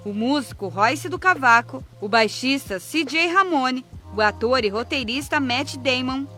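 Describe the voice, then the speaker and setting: A voice reading a scripted list of the day's birthdays in an even, formal manner. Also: sits high, unhurried, faint music behind. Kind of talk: scripted announcement.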